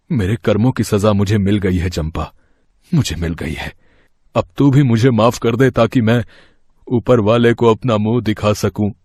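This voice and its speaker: A man voicing a regretful older man in a storybook tale, halting and remorseful. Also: lowish voice, a little mellow, no room sound, clean studio sound, lightly acted. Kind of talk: storybook voice acting.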